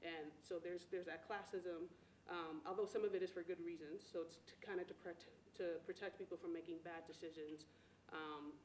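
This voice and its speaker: A soft-spoken woman speaking as a panelist at a university event, deliberate, with frequent ums and uhs. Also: lowish voice, fairly even intonation, a little hiss or hum. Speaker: director of a community finance group, panel speaker. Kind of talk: public talk at a university event. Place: lecture hall. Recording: echoey hall, faint ambience.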